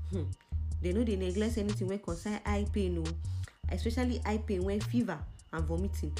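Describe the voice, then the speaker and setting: A woman with a lowish voice gives a health explainer in Nigerian Pidgin, her Nigerian accent clear. She delivers it conversationally and with emphasis, asking the listener questions before answering them.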